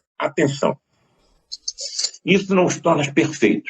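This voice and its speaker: A man's somewhat breathy voice. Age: 70s. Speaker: doctor. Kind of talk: interview.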